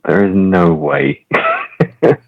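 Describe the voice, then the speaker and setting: A man's voice: sits low, huge pitch swings, extremely slow, slightly rough, dry recording. An English man on a remote call, sounding muffled as if talking in a bucket, chatting casually and joking. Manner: joking, laughs often. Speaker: podcast guest. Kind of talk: casual chat. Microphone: remote call on poor internet. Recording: dull muffled call audio.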